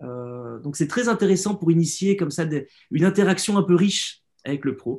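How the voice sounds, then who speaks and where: The man's voice is high-pitched with lively intonation, moving at a moderate pace. Behind him the background is quiet. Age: 30s. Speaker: co-director of a youth guidance charity. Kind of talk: interview.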